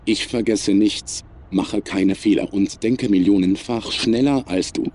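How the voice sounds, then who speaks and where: A man playing a cold, superior, menacing artificial intelligence in a science fiction audio drama, speaking in a measured, formal, emotionless way. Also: fairly low pitch, mellow.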